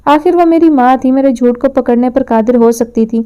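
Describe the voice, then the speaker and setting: A woman narrating an audio novel in a steady, measured reading style. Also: sits high, smooth, dull audio.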